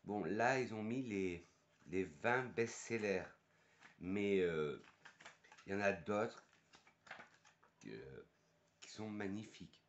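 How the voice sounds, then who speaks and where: A man's voice: on the low side, animated, slow, long pauses, muffled recording. A man from France with a French accent, casually reviewing perfumes and thinking aloud with fillers and restarts. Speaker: perfume youtuber and sales advisor.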